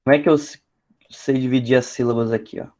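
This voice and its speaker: A man's voice: medium pitch, steady tone, fast, darkish tone. A man teaching an English lesson, explaining step by step and thinking aloud with frequent fillers. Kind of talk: classroom lesson explaining grammar.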